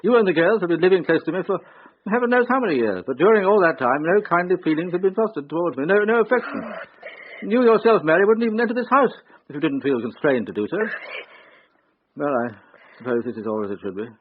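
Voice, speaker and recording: A proud hurt old-fashioned squire uncle, talks fast, husky, tinny lo-fi sound. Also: male voice, sits high, big pitch swings, a little hiss or hum. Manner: formal, stiff, wounded. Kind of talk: period radio drama acting. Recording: thin, tinny radio recording.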